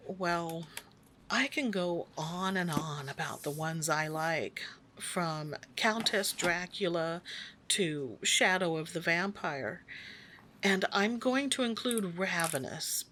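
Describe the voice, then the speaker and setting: Slow-talking woman narrating, slightly low voice. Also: fairly bright tone, slight background noise. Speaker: crafting video host. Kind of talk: conversational voice-over narration.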